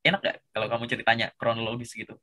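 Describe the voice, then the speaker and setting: A man's voice: medium pitch, fairly even intonation, very fast, pushed and bright. A man casually coaching a job seeker over a video call, chatty and explanatory, with lots of filler tags. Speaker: career coach.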